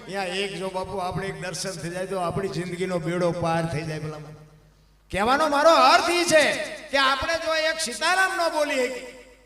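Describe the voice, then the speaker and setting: A man telling devotional folk stories on stage, emphatic and swelling into loud declamation. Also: high voice, normal speed, recorded from a distance. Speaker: dayro storyteller. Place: live stage program. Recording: echoey hall with long reverb.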